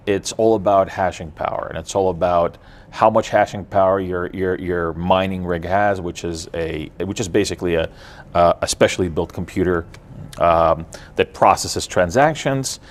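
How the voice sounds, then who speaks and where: He is a deep-voiced guest from Ukraine, a native Russian speaker, explaining blockchain technology through casual interview answers. His delivery is halting and full of fillers and restarts.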